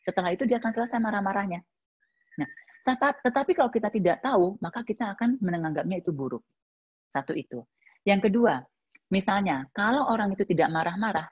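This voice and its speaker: A woman's voice: medium pitch, breathy edge, muffled recording. A woman giving a casual, reflective talk, answering a listener's question with plenty of everyday examples. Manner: conversational, uses many examples and fillers.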